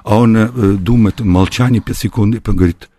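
Guest: a man, halting and full of pauses, dry studio sound. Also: lowish voice, warm tone, husky, no echo. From Italy. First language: Italian. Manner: hesitant, many pauses and fillers. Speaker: guest, translator. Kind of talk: casual radio interview.

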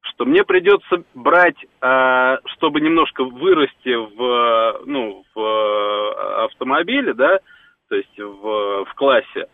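A man calling in to a radio show, explaining at length and pausing while he searches for words. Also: mid-range voice, dry recording. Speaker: caller. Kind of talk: phone call to a radio show. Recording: tinny phone line.

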